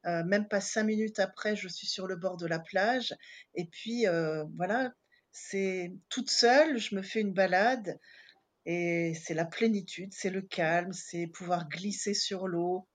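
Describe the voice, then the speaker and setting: A woman in her fifties, originally from Paris, talks through her story in a relaxed interview. Her voice has a husky, slightly breathy grain at an ordinary middle pitch. She pauses often on fillers as she thinks aloud. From Paris, France. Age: 50s. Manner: chatty, many hesitant fillers. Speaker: interview guest. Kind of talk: casual interview chat.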